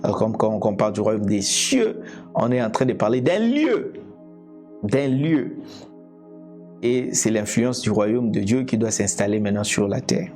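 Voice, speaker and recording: A man from Congo whose first language is Lingala, preaching a teaching sermon in a slow, deliberate way, repeating and restarting phrases. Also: fairly low pitch, lively intonation, darkish tone, faint music behind. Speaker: evangelist preacher. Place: indoors, seated.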